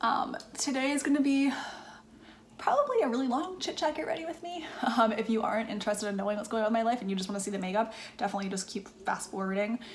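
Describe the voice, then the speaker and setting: A woman's very fast talk with lively intonation over light background noise. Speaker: beauty vlogger. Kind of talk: casual vlog chat. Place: home room. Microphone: camera far.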